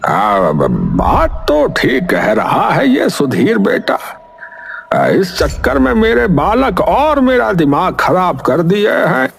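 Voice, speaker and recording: A man playing a beleaguered, fatherly village headman in an animated moral story, talking in a folksy, halting, exasperated way. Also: high voice, vocal fry, slight background noise, heavily acted. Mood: concerned.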